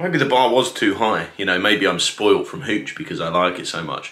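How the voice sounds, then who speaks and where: This man speaks with an English accent at a very fast pace. His pitch is fairly low. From England. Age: 20s. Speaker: YouTube drink reviewer. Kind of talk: casual comedic review monologue. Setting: home video recording on camera. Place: home room.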